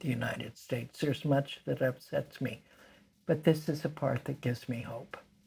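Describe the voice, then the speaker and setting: With an American accent, a woman speaks at a very deep, low pitch in a dark, mellow tone with vocal fry and ordinary pitch variation. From US West Coast, Los Angeles area. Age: 80s+. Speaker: minister and spiritual director. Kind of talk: personal interview, life story.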